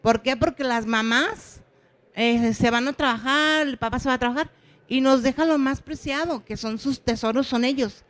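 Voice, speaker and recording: A woman with a Mexican accent, a preschool teacher, telling an animated story at a workshop and acting out the lines she quotes. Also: high-pitched, moderate pace. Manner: animated, acts out quotes with exclamations.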